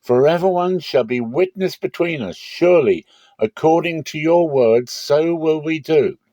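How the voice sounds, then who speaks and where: An earnest tribal elder, acted by a male reader urges solemnly in a dramatic Bible reading. The pitch is lifted above the narration, while the tone stays mellow and the sound dry. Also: a little slow, no echo, close to an everyday voice. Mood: solemn vow.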